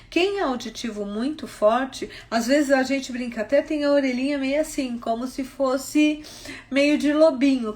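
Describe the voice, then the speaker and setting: High-voiced Brazilian woman explaining. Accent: Brazilian Portuguese. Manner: explanatory, checks in with frequent "tá?". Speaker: vocational guidance coach. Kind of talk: live-streamed teaching talk. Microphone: phone on a social media live stream.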